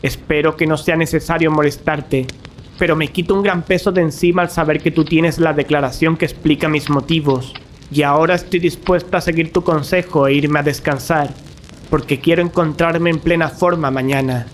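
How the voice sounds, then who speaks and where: An actor playing a resolute, grave young male student in an audio drama, speaking formal Castilian Spanish firmly and deliberately. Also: fairly high pitch, steady tone, a little hiss or hum, lightly acted. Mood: grave, determined.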